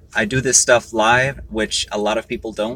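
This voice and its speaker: This man has a medium pitch and a bright, sharp tone. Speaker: rideshare driver vlogger. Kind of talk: casual advice monologue. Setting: in a car, live. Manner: stuttering over words; blunt, animated.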